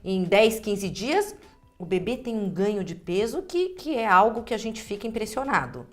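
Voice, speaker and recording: A woman's voice: medium pitch, expressive, normal speed. A Brazilian woman speaking as a guest dentist, explaining clinical practice conversationally and restating phrases for emphasis.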